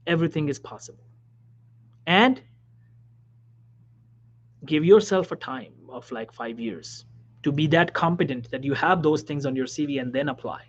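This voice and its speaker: A man, a physician, giving career advice in a motivational talk, emphatic and repetitive, dropping now and then to a soft whisper. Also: a little high, moderate pace, pauses often. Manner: emphatic, repeats key phrases, drops suddenly to soft whispers. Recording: dull lo-fi recording.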